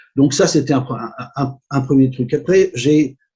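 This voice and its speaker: A man's fairly high pitch with ordinary pitch variation and music in the background. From northern France, Haute-Normandie (Gisors). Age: 70s. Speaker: retired business owner, online seller. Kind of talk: interview. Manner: halting, many repetitions and fillers.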